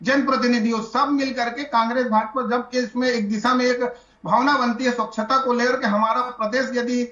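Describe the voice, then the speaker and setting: A man's voice: very high voice, fairly even intonation, a little fast, sharp tone. A man from Chhattisgarh arguing his case as a panelist on a televised political debate, earnest and prone to restarts. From Chhattisgarh, India. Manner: earnest and argumentative, with frequent restarts. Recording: echoey, dull lo-fi sound.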